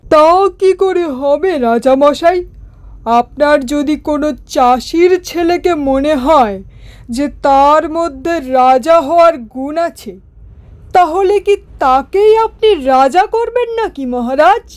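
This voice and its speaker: A woman acts out an earnest royal minister from a cartoon fairy tale, traditional and cautious. The voice is very high and takes its time, deferential in address but ready to argue. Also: slow, darkish tone. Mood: questioning, concerned. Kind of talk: cartoon storybook acting.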